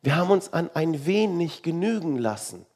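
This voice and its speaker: A man's voice: fairly high pitch, very animated, normal speed, a little mellow. A man preaching a sermon in a conversational, wry way, asking the listeners rhetorical questions.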